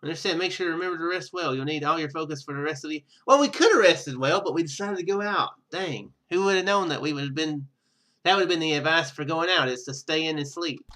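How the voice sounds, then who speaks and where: Bright-voiced man narrating a video game. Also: on the high side, quick pace. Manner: rambling, thinking out loud. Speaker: gaming video host. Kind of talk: casual let's play commentary, reading game text aloud.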